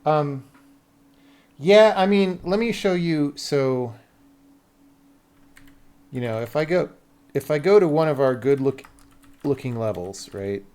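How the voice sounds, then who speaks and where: A man's voice: fairly high pitch, animated, takes it slowly, pauses often, darkish tone, clean tone. An American man talking casually on a livestream as a game developer, blunt and sweary, thinking aloud as he explains things to viewers.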